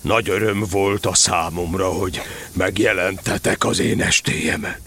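A man's voice: low-pitched, fairly even intonation, a bit bright, slight background noise. A man voicing a gloomy, self-important donkey in a children's audio drama, mournful and ponderous in manner. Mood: solemn, self-important.

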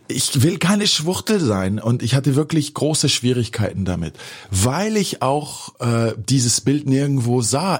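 A man's voice: mid-range voice, a little mellow, husky. A man, a filmmaker speaking reflectively with many hesitations in an interview. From Geneva, Switzerland. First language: French. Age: 40s. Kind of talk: personal interview.

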